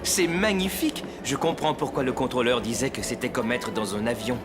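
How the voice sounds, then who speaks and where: A man playing a patient, encouraging father who gently reassures his small boy in a children's cartoon. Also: medium pitch, a little fast, over loud music, natural voice. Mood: cheerful. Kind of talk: animated children's cartoon acting.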